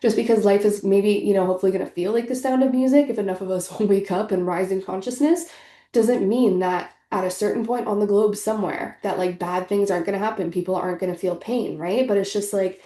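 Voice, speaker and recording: A woman's voice: medium pitch, brisk, dark tone, echoey room. A young woman with a stuffy, congested voice, chatting casually and earnestly through a tarot reading, full of fillers. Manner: chatty, filler-heavy, earnest spiritual talk. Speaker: tarot reader.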